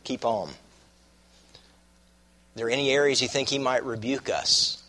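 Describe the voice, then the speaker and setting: A pastor with a Southern US accent preaches an expository sermon to his congregation, his voice croaky from a cold. He speaks in a folksy, deliberate way, repeating phrases for emphasis, with a medium-pitched, bright and forceful tone.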